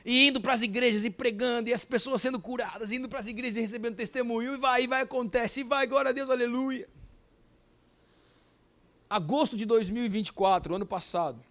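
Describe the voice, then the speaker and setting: A pastor in his thirties telling a personal story in a sermon, emotional and full of repetitions, swinging between loud and soft. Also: very high voice, a little fast. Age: 30s. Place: church service.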